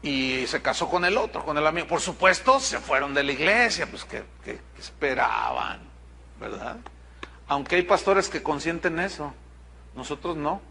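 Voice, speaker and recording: A middle-aged man with a Mexican accent preaching a sermon, telling a congregation story in a direct, animated way with humorous asides. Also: a little high, normal speed, vocal fry, slight background noise. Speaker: pastor.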